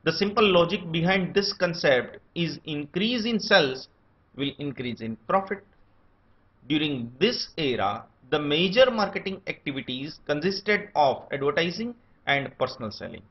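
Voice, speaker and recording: Male lecturer, Indian accent, steady itemized delivery, lively intonation, muffled lo-fi recording. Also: a little high, moderate pace. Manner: steady enumerating delivery, lists points one by one. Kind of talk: scripted academic lecture. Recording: dull lo-fi recording.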